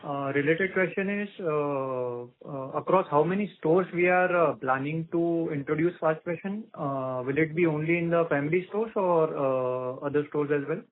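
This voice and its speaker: A man's voice: a little high, moderate pace, few pauses. A man asking hesitant, stop-start questions as an analyst on an earnings call. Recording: thin phone-line audio.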